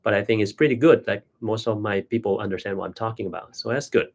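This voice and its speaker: A man's voice: on the low side, fast talker, gravelly, darkish tone. A man with a Thai accent, a native Thai speaker, explaining things as a doctor hosting a casual Q&A. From Thailand. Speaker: doctor and live-stream host.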